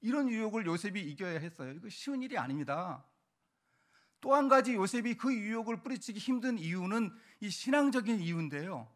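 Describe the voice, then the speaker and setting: A middle-aged male pastor preaching a sermon to his congregation, animated and emphatic, sometimes shouting for emphasis. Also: high-pitched, fairly quick. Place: church sanctuary.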